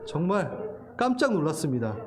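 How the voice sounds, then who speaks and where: A man's voice: fairly high pitch, very animated, moderate pace, crowd noise. A middle-aged male pastor giving a sermon, laughing and emotional while telling a personal story, then preaching earnestly.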